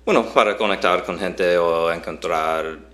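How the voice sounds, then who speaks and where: A man's voice: low-pitched, unhurried, fairly bright tone. A young man whose first language is English, speaking Spanish hesitantly with many restarts and fillers while co-hosting a podcast. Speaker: podcast co-host. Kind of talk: casual chat. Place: Boston.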